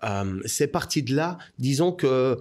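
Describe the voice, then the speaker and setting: Male guest, lively anecdote-teller, mid pitch. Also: measured pace. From Belgium. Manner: animated storyteller, rising pitch as the story heats up. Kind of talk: telling a personal story in an interview.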